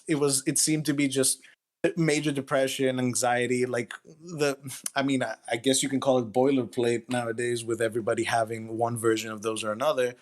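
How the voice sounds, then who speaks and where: A man in his thirties speaking candidly and casually as an interview guest, with a halting, self-effacing manner. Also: mid-range voice, level tone. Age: 30s.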